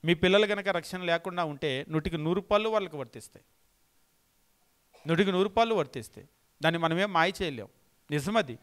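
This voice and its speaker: A man's voice: on the high side, animated, fairly quick, long pauses, a bit bright. A man preaching a sermon, emphatic and repeating key phrases, asking the congregation pointed rhetorical questions.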